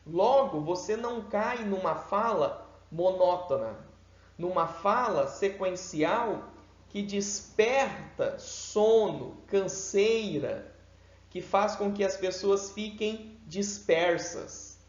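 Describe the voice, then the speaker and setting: A man with a Brazilian Portuguese accent teaching a seminary homiletics class in an emphatic, deliberate way, swinging his pitch and loudness for effect. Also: lively intonation. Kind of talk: homiletics lecture. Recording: echoey room, dull lo-fi sound.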